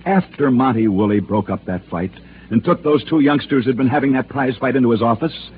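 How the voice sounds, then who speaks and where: Man, radio host, dramatic scripted narration, theatrical pauses, tinny old broadcast, faint hiss. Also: mid-range voice. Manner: theatrical storytelling with emphatic pauses. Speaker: sports storyteller host.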